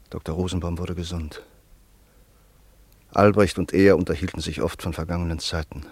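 An actor playing a sombre narrator in a radio drama, grave and deliberate as he recalls a friend's fate. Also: low-pitched, darkish tone, breathy edge, exaggerated voice.

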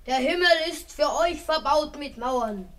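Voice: high voice, expressive, measured pace, a bit bright. A performer in a German children's radio play voicing a hearty, cheeky, confident schoolboy. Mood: solemn, declaiming. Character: hearty, always hungry schoolboy, would-be boxer.

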